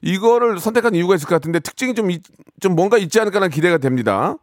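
A man hosting a phone-in impression contest on the radio, teasing callers, laughing and handing out quick verdicts. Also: high-pitched, lively intonation, no echo, studio quality. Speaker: radio show host.

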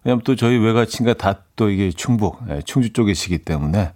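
A man hosting a morning music radio show, chatting in a relaxed way with many small fillers and reading out listener messages in a studio. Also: lowish voice, fairly quick. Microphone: studio microphone.

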